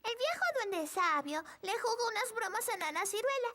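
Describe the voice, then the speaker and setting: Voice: very high-pitched, animated, normal speed, heavy background noise. A performer voicing an earnest, inquisitive little fairy princess girl in a Latin American Spanish children's cartoon dub.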